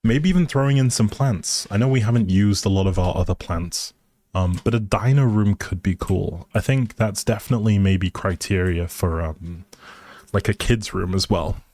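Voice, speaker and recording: Playing a life simulation game on a livestream, a man offers relaxed, casual commentary, musing aloud as he goes. His fairly low voice is mellow and moves at a normal speed.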